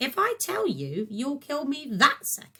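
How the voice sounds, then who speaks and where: A woman does a put-on character voice. It's high in pitch and fairly slow in pace. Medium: read story. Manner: cheeky, gleeful, mocking.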